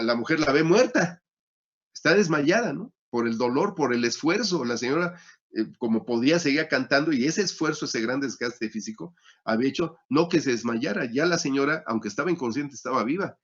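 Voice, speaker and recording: A man's voice: medium pitch, expressive, fairly quick, fairly bright tone. A man teaching a surgery class, telling a story with many fillers and repeated words, talking into a phone. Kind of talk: storytelling lecture. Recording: dull lo-fi sound.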